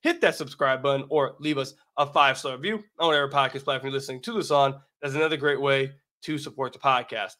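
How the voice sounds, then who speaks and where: An American man hosts a sports podcast alone, delivering basketball commentary and a sponsor read with emphatic, repeated phrases. His mid-range voice is pushed and bright, slightly raggedy from illness, and he talks fast with hardly any pauses.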